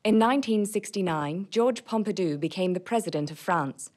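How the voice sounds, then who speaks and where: A woman's voice: medium pitch, moderate pace, darkish tone. A young woman reading scripted commercial and narration voice-over, close on a studio microphone. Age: young adult. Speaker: voice-over artist. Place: recording studio vocal booth, indoors. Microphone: large studio condenser with pop filter, close.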